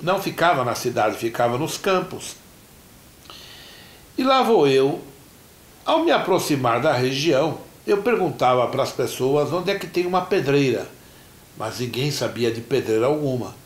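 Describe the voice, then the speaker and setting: A man's voice: medium pitch, moderate pace. A middle-aged Brazilian man with a Brazilian Portuguese accent, a pastor telling a story in a sermon and acting out the dialogue. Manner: animated storyteller who acts out dialogue. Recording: roomy church echo.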